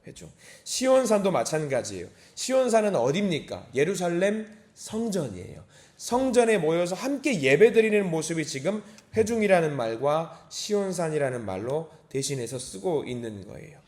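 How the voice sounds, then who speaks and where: A pastor delivers an earnest dawn sermon in a church sanctuary, his voice on the high side and a little mellow, with big pitch swings at normal speed. He poses rhetorical questions and acts out prayers as well as a child's voice.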